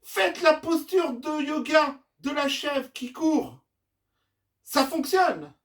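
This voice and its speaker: A man voicing a cheerful woman goat farmer in a read-aloud storybook, calling out in a high, excited voice. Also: slow pace, reverberant, distant mic, full character voice.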